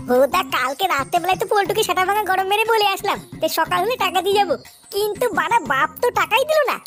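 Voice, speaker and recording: An extremely high-pitched young village lad from a comedy cartoon. He is brash and boastful and rattles out slangy, foul-mouthed lines at speed. Music plays underneath. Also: lively intonation, fast talker, a bit bright. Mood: worried.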